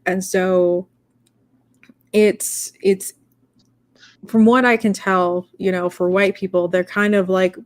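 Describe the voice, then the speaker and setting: A woman's voice: mid-range voice, steady tone, slow pace, long pauses. A young woman in casual discussion, talking in a rambling way with many fillers and restarts.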